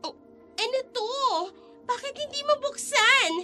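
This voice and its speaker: A woman's voice: extremely high pitch, unhurried, sharp tone, faint music behind, full character voice. A woman voicing a fearful, whiny teenage schoolgirl in a spoken horror story. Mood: uneasy. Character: timid, easily scared teenage schoolgirl.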